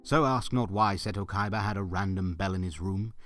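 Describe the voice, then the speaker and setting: A man's voice: low voice, fairly quick, fairly bright tone, faint music behind. A man narrating a scripted story as the narrator of a fan audio drama.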